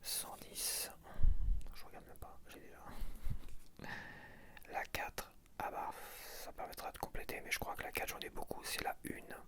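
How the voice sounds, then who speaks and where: A man whispering casual, informal ASMR commentary in a breathy voice, muttering to the viewer close to the microphone. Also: measured pace. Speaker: ASMR video creator.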